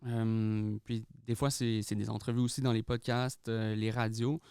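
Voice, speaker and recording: A young Québécois man talks easily in a casual interview, dropping English words and laughing often. His voice is smooth and clear, recorded dry and close. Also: fairly low pitch, level tone, moderate pace, a little mellow, dry recording. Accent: Québécois French. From Quebec, Canada. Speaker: guest artist.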